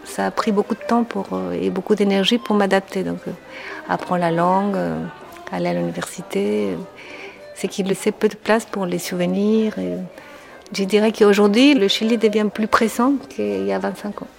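A woman from Chile with a strong Chilean Spanish accent, a native Spanish speaker, answering interview questions in French as a psychoanalyst, speaking in a reflective, measured way with frequent hesitations. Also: mid-range voice, steady tone, creaky, darkish tone, faint music behind. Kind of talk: documentary interview.

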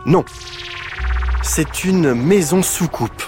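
A man's voice: very slow, music in the background. A man voicing a curious, inventive little girl, eager and full of questions in a storybook reading. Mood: excited. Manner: eager, questioning, bursts of high excitement.

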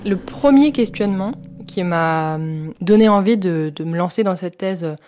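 A woman historian explaining her research in a measured way, with frequent hesitations. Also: fairly low pitch, a little mellow, a little hiss or hum. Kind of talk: explanatory interview.

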